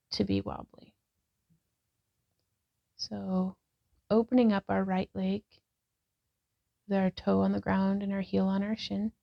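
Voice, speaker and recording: Calm woman in her thirties with vocal fry. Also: medium pitch. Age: 30s. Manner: calm, gentle cueing with breath prompts. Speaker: yoga vlogger and instructor. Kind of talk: guided yoga instruction. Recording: slightly dull lo-fi sound.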